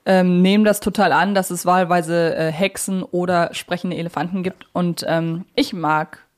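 A woman's voice: fairly low pitch, fairly even intonation, moderate pace. Chatty woman co-hosting a podcast. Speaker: podcast co-host. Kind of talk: casual podcast chat about audio drama characters.

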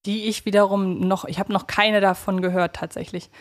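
A woman's voice: mid-range voice, flat delivery, normal speed. Woman chatting as a podcast co-host. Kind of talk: casual fan podcast discussion.

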